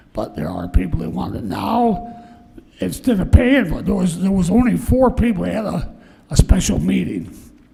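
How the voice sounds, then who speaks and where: A man with an American accent speaks at a moderate pace, his loudness swinging widely. Music plays in the background, and room echo is audible. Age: 70s. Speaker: township board candidate. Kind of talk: candidate forum answer. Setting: public forum with audience. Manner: halting, repetitive.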